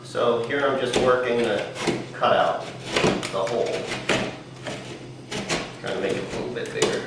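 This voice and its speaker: This middle-aged man demonstrates a home improvement project in a house, speaking informally and a bit hesitantly as he works things out. His mid-range voice keeps a measured pace, and the recording carries echo and background noise.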